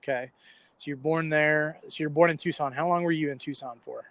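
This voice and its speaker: A young American man hosts a casual podcast in a fairly high male voice. He talks informally as an interviewer, and the home-made recording has some noise behind him. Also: fairly even intonation, a little fast. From Florida, United States.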